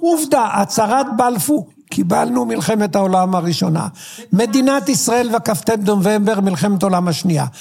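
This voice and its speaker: A man talks at a fairly slow pace in a high voice with very wide pitch swings. His loudness stays very even. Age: 80s+. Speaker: military historian and author. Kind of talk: interview.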